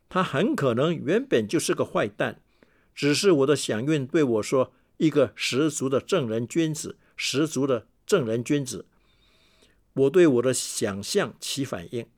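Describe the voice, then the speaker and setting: A man speaking as a meditation teacher in a translated sermon read as voice-over, measured and repeating key phrases for emphasis. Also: medium pitch, darkish tone.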